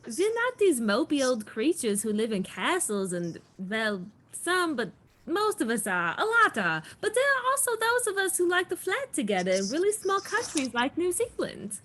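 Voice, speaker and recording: A woman's voice: high-pitched, huge pitch swings, normal speed, a bit bright, full character voice. A woman playing an earnest, chatty vampire giving a documentary interview in a comedy table read. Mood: earnest, chirpy.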